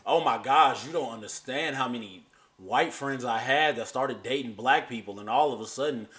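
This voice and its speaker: A man hosting a reaction video, talking in a loose, animated way and laughing through his points. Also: medium pitch, normal speed. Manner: animated, keeps saying "you know what I'm saying". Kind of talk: casual chat.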